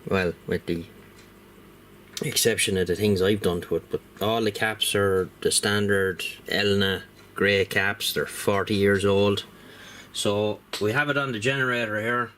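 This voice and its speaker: Man, slow talker, casual workshop chat, rambling with fillers, faint background hiss. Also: on the low side, fairly even intonation, a bit bright, low-quality recording. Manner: rambling and conversational, with many fillers. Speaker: radio repair hobbyist.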